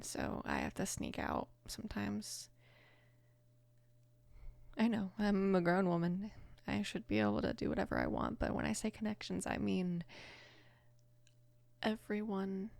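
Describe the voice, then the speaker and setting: A woman of about twenty playing a caring, apologetic mafia boss's daughter in an intimate ASMR roleplay, soft-spoken and hesitant, with a breathy, creaky voice. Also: medium pitch, dry recording, full character voice. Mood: hesitant, confiding. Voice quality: breathy, whispery with heavy creak.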